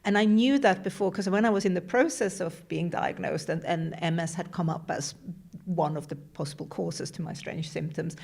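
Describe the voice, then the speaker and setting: Woman, 40s, from Sweden, lowish voice, easygoing reflective podcast chat. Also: normal speed, creaky. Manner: relaxed, reflective, with fillers and light laughs. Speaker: podcast guest working for an MS charity. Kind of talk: casual conversation.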